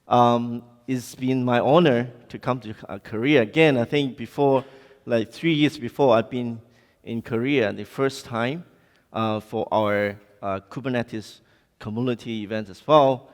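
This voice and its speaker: Male conference speaker, Hong Kong accent, medium pitch, informal and halting phrasing, reverberant hall sound. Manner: halting, informal, non-native English phrasing. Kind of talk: conference presentation. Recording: echoey hall, long reverb.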